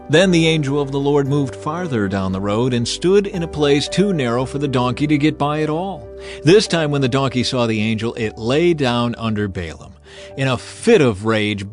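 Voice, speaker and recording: A man giving a solemn, scripted dramatic narration of scripture as a storyteller. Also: medium pitch. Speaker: narrator of a dramatized audio Bible. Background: background music.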